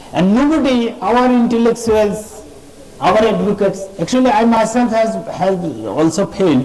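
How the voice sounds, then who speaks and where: Over noticeable background noise, a man with a high pitch talks at a moderate pace, his loudness very even and his pitch varying an ordinary amount. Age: 60s. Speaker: poet and speaker. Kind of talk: Q&A answer at festival talk.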